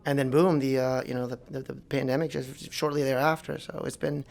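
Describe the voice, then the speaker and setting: A man in his forties from South Florida, a plastic surgeon talking casually as a podcast guest, animated and rambling with many restarts. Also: mid-range voice, a little fast, gravelly. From South Florida, United States. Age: 40s. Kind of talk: casual interview talk. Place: podcast studio.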